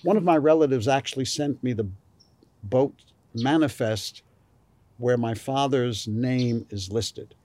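An older man from New York recalling his childhood in a slow, rambling interview, with many fillers. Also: mid-range voice, a little mellow, no echo. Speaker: author. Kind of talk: oral history interview.

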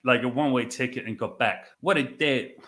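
Here a business owner in his thirties, originally from the Netherlands, speaks as a podcast guest with a Dutch accent. He recounts his story in a reflective, conversational way, halting and repeating words, his voice medium in pitch and fairly bright.

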